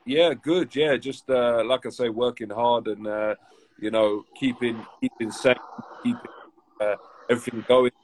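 A man in his thirties from England, stuffy with a cold, talking haltingly with many fillers as a guest musician on a call. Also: mid-range voice, fairly even intonation, slight background noise, low-quality recording. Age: 30s. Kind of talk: casual interview over a call.

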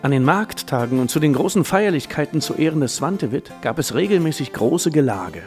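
A man's voice: on the high side, sing-song, fairly quick, soft background music. A man reading scripted documentary narration about history.

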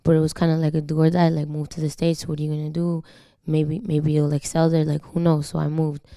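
A woman's voice: low voice, little pitch movement, brisk, dark tone, no room sound, clean studio sound. A young woman from Canada whose first language is Spanish, talking candidly as an interview guest, slangy and swearing freely. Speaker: guest singer. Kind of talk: casual interview talk.

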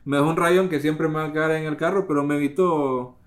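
A young man, a podcast host telling relaxed, slangy stories in casual chat. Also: on the high side, fast talker.

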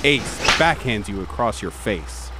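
A man's voice: on the low side, animated, measured pace, very noisy. A man narrating a tabletop horror game dramatically in the second person as game master.

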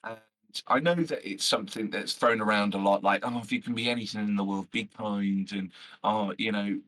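A man, a loud and brash podcast guest talking passionately with lots of fillers and some swearing. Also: fairly low pitch, brisk, low-quality recording. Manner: animated, swears freely, many fillers. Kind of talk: passionate casual chat.

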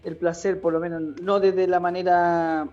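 A man's voice: sits high, little pitch movement, normal speed, soft background music. A male radio host in casual chat, reading out listener questions and often stammering. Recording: dull lo-fi sound.

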